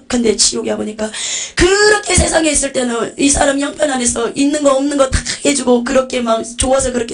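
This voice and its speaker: A woman giving a fervent, tearful testimony sermon, preaching with urgency. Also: a little high. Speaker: testimony speaker.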